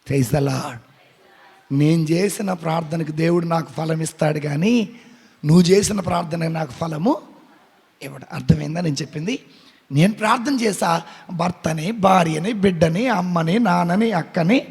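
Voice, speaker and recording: A man's voice: a little high, gravelly, slightly rough. A man, a Catholic priest, preaching a sermon, often asking his listeners questions and answering them himself, and acting out the words of the people he quotes. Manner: acts out quoted speech in shifting voices. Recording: long hall reverb.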